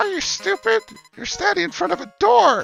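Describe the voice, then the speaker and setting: A put-on character voice sits at a fairly high pitch with very wide pitch swings. Faint music plays in the background. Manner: cranky, snappy, sarcastic.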